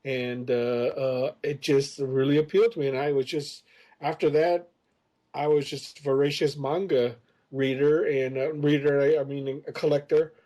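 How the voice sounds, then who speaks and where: On a casual storytelling podcast, a comics creator in his fifties who grew up in the United States spins long, meandering tales riddled with hesitant "uh"s. He talks at a normal speed in a warm, medium-pitched voice with fairly even intonation.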